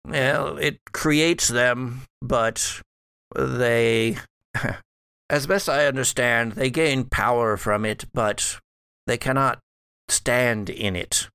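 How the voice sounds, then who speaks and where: A man performs a scheming, scholarly old patriarch speaking from beyond death in a horror roleplay. The voice is smooth but creaky, captured dry and close. The phrasing is formal and deliberate, with halting pauses as he reasons. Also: mid-range voice, steady tone, bright, forceful tone, dry recording, full character voice. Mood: pondering, scheming. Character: dead old male ancestor, scholarly, wry, scheming. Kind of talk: improvised tabletop horror roleplay.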